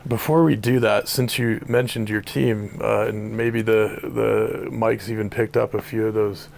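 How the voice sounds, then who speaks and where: A man hosting an outdoor interview, asking measured, gently probing questions. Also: lowish voice, little pitch movement, gravelly. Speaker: podcast host, interviewer.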